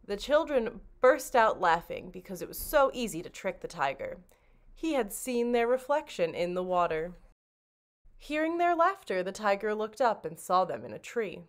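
A woman reading a children's storybook aloud like a librarian, with expressive, dramatic narration. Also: mid-range voice, normal speed.

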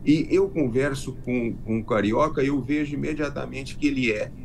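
An older self-taught linguist with a rural Minas Gerais Portuguese accent answers interview questions as a guest over a video call from his home library, using the webcam mic. He speaks unhurriedly and often restarts sentences, his mid-range voice creaky and a little mellow, with slight background noise.

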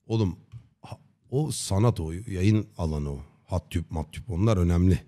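A man in his thirties chatting casually on a livestream in a slangy, joking, deadpan way. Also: low voice, normal speed. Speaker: live streamer. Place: dim indoor streaming room. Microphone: close desk microphone with headset on.

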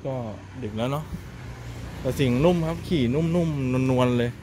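A man's voice: mid-range voice, normal speed, mellow. A man filming a casual vlog by the roadside at night, chatty and exclaiming often as he talks through what he sees. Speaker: motorcycle vlogger. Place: roadside at night beside traffic. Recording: noisy roadside camera audio. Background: passing cars and engine noise.

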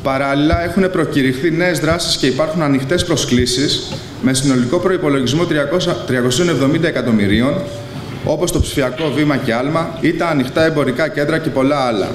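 Man reading a speech in an echoey hall. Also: fairly high pitch. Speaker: government official giving a speech. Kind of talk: formal read speech at podium. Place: large exhibition hall. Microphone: podium microphone. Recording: echoey hall, faint noise.

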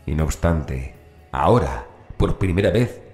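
Very deep male horror audiobook narrator. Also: animated, measured pace, a little mellow. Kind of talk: scripted horror story narration. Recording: voice over background music. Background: music.

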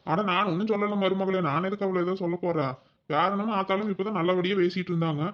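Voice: mid-range voice, steady tone, fast talker, lightly acted. A voice actor playing a mild old village grandfather who placates his family in a comedy cartoon. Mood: puzzled. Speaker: cartoon character. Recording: dull lo-fi sound.

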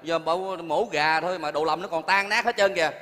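A man's voice: fairly high pitch, a little fast, noisy background, close to an everyday voice. An actor in his fifties playing a henpecked cook who was once a doctor, defensive and whiny in a stage comedy sketch. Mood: whining. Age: 50s. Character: henpecked middle-aged cook, former doctor. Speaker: restaurant cook husband. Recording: reverberant stage hall.

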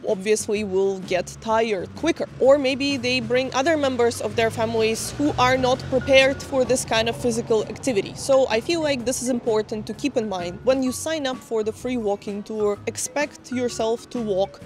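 A young woman tour guide in her twenties, briskly explaining to the camera on a city street with a handheld mic. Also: on the high side, faint music behind. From Czech Republic. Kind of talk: vlog talking to camera. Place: cobbled city street outdoors.

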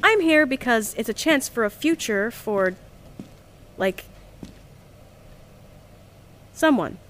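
Audio drama: polite, gushing young woman scientist type, fairly high voice, very animated. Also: slow, slight background noise. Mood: wistful, hopeful. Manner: bubbly, gushing, hesitant when flustered. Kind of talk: audio drama, recorded diary.

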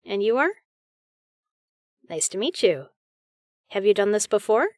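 A woman's voice: mid-range voice, very animated, unhurried, darkish tone, no echo, studio quality. A woman playing a friendly, chatty, reassuring female caroler in a one-sided roleplay audio conversation. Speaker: voice actor.

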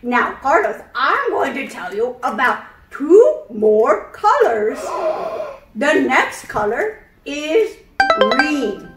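A woman voicing a kindly, excitable teacher puppet in a children's church show, explaining things simply and emphatically with exaggerated cheer. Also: high-pitched, extremely slow, faint music behind, heavily acted. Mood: gentle, instructive. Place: indoor church room, puppet stage. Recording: roomy, echoing church room.

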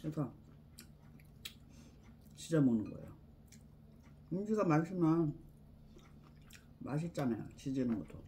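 A woman's voice: low-pitched, sing-song, measured pace, long pauses, mellow, a little hiss or hum. A woman hosting a home eating video, chewing food while she talks casually to her viewers. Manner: chatty, addresses viewers often. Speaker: mukbang host. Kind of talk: casual eating broadcast chat. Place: at home indoors.

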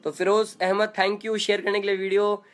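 A man's voice: sits high, level tone, normal speed, fairly bright tone. A man chatting playfully and non-stop in a casual live video chat, reading out comments as a singer host. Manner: playful, joking.

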